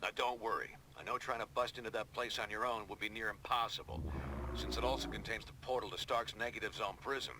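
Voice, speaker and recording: A man's voice: on the low side, quick pace, lightly acted. A man playing a no-nonsense team commander in a video game, briefing in a blunt, informal, commanding way. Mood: brisk, blunt. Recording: clear background noise.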